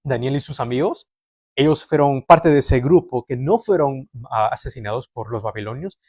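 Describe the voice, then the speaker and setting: A man's voice: mid-range voice, expressive, normal speed, darkish tone, dry recording, clean studio sound. A man from Canada, raised in a Hispanic home, preaching a conversational, storytelling sermon in an earnest, explanatory way, repeating phrases and asking rhetorical questions.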